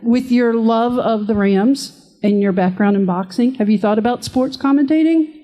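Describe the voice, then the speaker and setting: A woman in the audience asking a guest a question in an upbeat, deliberate way. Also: fairly high pitch, dark tone.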